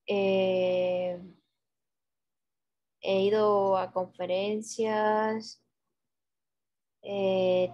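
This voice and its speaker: A young woman talking casually on a video call, hesitant, with many fillers and restarts. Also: medium pitch. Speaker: guest, graphic designer. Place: small room at home, indoors. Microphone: headset on video call. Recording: dull lo-fi video call audio.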